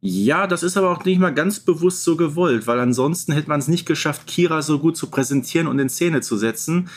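A man co-hosting a podcast in a casual, measured, explanatory way. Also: on the high side. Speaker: podcast co-host.

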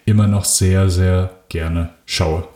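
A man's voice: sits low, fairly even intonation, slow, mellow. Guy on a movie podcast rambling on, lots of ums, echoey room. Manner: rambling, many fillers and restarts. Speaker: podcast co-host. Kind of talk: casual film podcast chat. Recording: roomy echo.

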